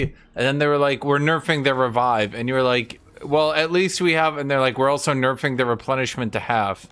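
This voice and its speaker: A man's voice: mid-range voice, a bit bright, clean tone. A man giving casual, blunt and sweary live commentary on a strategy game as he streams to chat.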